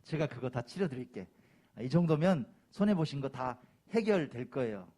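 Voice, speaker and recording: Kind young office worker, soft and reassuring, a man doing the voice in a sermon story. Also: mid-range voice, expressive, moderate pace, close to an everyday voice. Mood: gentle.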